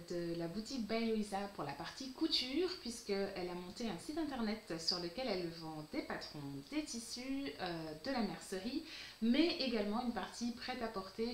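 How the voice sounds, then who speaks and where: A woman's voice: fairly high pitch, slight background noise. Bubbly woman in an echoey room. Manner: bubbly and enthusiastic, often says she is delighted. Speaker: sewing vlogger and host. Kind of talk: casual fabric unboxing vlog. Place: at home, filming at night.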